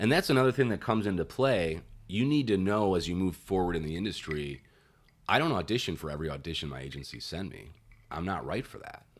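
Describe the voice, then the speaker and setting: Speaking at a very fast pace, a man with a very deep, low voice makes very wide pitch swings and big swings in loudness. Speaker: voice actor. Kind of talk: interview answer. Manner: funny, joking.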